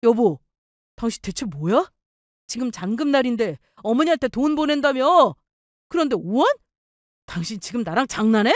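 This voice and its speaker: Woman playing a husband, demanding, pleading, lowered voice, dry sound. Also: sing-song, moderate pace, no echo. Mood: angry. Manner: angry then pleading. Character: panicky, pushy husband, middle-aged man.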